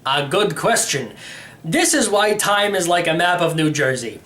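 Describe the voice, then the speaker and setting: A man's voice: on the high side, very animated, a little slow, pushed and bright, heavily acted. A man voicing an eccentric, cheerful elderly uncle in a storybook, explaining things in a rambling, matter-of-fact way. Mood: patiently explaining. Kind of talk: storybook character reading.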